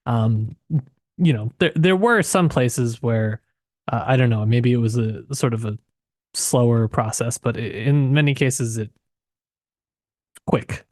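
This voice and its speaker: A man's voice: medium pitch, measured pace, long pauses, darkish tone, no room sound, clean studio sound. A man co-hosting a casual literary discussion, conversational and tentative as he thinks aloud. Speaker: podcast co-host.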